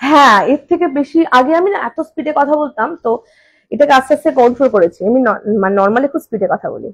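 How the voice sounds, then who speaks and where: A high-voiced woman with a husky edge sells jewellery on a phone live stream. She says each price slowly, two or three times over, then breaks into quick, chatty bursts between pieces. Her tone is casual and repetitive, like a seller talking to viewers. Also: lively intonation, rough recording. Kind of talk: live-stream sales talk. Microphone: phone camera.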